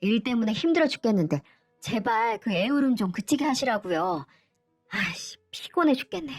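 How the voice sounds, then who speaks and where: A woman's voice: high-pitched, animated, normal speed, vocal fry, breathy edge, faint music behind, pitched above the performer's own voice, heavily acted. Woman doing a snappish, rude grown son. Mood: irritated. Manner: snapping, whiny and impatient. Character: rude, irritable grown son, adult man.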